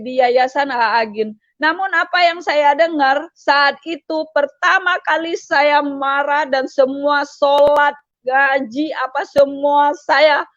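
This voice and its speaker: High-voiced woman telling her story. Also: a bit bright, no room sound, dull audio. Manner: emotional, repetitive storytelling with frequent hesitations. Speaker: testimony speaker. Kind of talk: personal testimony.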